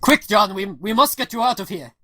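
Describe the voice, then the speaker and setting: A woman's voice: mid-range voice, fairly quick, sharp tone, no room sound, clean studio sound. A woman voicing a male Russian resistance fighter who speaks in broken English with a Russian accent. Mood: earnest, reassuring. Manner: broken English, dropped articles.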